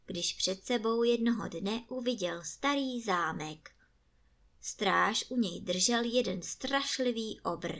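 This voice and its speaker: A woman storyteller with a fairly high voice reads a fairy tale aloud. She narrates calmly and at a measured pace.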